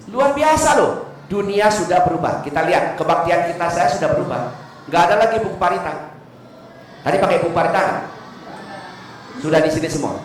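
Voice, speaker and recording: A man's voice: on the high side, a bit bright, slight background noise. A man over fifty giving a joking Buddhist sermon in a temple hall, often asking the audience for agreement. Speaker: Buddhist Dhamma speaker. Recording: echoey hall, distant mic.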